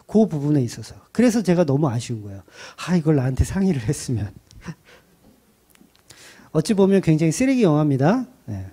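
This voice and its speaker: A male pastor giving a sermon, retelling a film in an animated, conversational way. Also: sits high.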